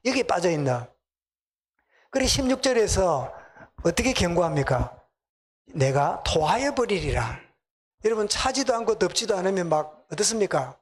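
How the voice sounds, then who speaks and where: Middle-aged pastor w/ a gyeongsang accent, pretty high voice, preaching casual and asking the church questions. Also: male voice, expressive, brisk. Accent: Gyeongsang Korean. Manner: conversational, asks the congregation questions. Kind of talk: sermon. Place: church sanctuary.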